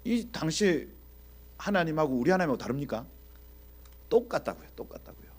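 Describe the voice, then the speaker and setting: A man teaching a Bible exposition in an animated preaching style, speaking directly to his audience and acting out scenes. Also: mid-range voice, normal speed, husky. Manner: animated, acts out quoted dialogue.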